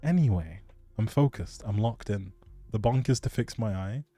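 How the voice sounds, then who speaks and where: A man's voice: fairly low pitch, moderate pace, warm tone. A man hosting a casual gaming livestream, chatting with viewers in a rambling, hesitant way and often trailing off. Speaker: livestream gamer host. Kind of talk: casual chatty livestream commentary, replying to chat. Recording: music playing behind the voice. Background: background music.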